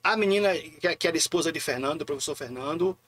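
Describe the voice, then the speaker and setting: A man, a guest poet telling lively anecdotes in a casual live interview and acting out the voices of the people he quotes. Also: on the high side, quick pace.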